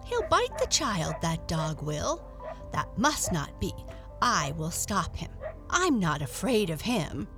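A woman's voice: lowish voice, very animated, takes it slowly, over music, full character voice. A woman voicing a brave female black cat who talks firmly but kindly. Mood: scolding.

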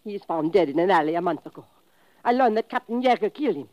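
A woman's voice: on the low side, animated, fast, darkish tone, no room sound, close to an everyday voice. A woman acting as a vengeful, intense young foreign woman speaking broken English in a 1950s radio drama. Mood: vengeful, fierce. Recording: muffled noisy old radio recording.

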